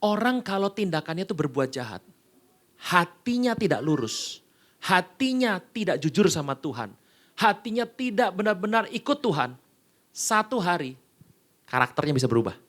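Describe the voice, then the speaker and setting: A male pastor preaching a sermon in a casual, colloquial way, telling stories with sudden jumps between loud bursts and hushed asides. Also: high-pitched, moderate pace. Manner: animated storytelling with sudden loud and hushed swings.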